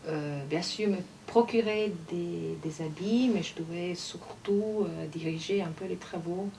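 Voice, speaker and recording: A woman's voice: fairly low pitch, a little slow, creaky, dark tone, a little hiss or hum. A woman who organizes the costumes, speaking matter-of-factly in an interview. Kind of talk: interview answers. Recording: voice from a distance.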